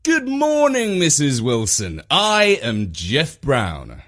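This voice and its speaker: A man playing a well-meaning, awkwardly diplomatic gentleman in a storybook, polite, earnest and emphatic. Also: on the high side, big pitch swings, measured pace, pitched above the performer's own voice. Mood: cheerful.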